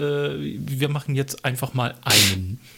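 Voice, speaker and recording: Amid noticeable background noise, a man speaks at a very slow pace with ordinary pitch variation. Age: 30s. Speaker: YouTuber. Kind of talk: casual chat.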